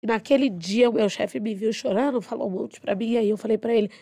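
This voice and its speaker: A woman's voice: a little high, quick pace, dry recording, clean studio sound. Outspoken, blunt woman on a podcast. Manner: outspoken, blunt, animated, swears freely. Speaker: podcast guest, dance teacher. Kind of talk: casual storytelling.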